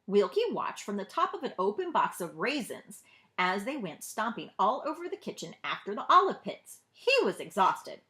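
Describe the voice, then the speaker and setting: A woman narrating a children's story as a librarian, expressively, pausing to put questions to young listeners. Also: medium pitch, very animated, pushed and bright. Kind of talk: children's read-aloud narration.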